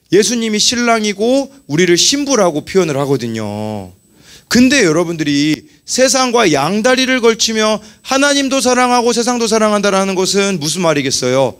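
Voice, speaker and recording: A man in his thirties preaching a youth worship sermon as pastor, animated and acting out little quoted scenes. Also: sits high, moderate pace.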